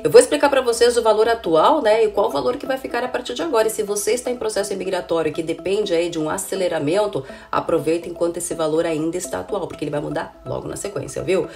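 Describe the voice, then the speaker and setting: Here the same thirties-aged immigration consultant and channel host talks in a hoarse, cold-roughened, mid-range voice that's a little mellow, moving quickly with few pauses. Her casual informative vlog to camera is chatty, full of "gente," "né?" and "viu?" aimed at viewers. The setting is an indoor room with window blinds, captured by a nearby camera.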